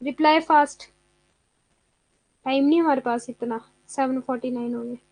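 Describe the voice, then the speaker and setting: High-voiced chatty woman teaching online. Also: steady tone, moderate pace, darkish tone, dry recording. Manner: chatty, mixes Hindi with English terms; answers students' chat comments aloud. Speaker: exam coaching teacher. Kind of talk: live online class.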